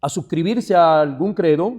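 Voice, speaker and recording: Fellow pastors are his audience as this Puerto Rican preacher, with a Puerto Rican Spanish accent, delivers a church teaching talk at a moderate pace and fairly high pitch. Calling them brother, he asks rhetorical questions and alternates between whispered asides and strongly stressed phrases.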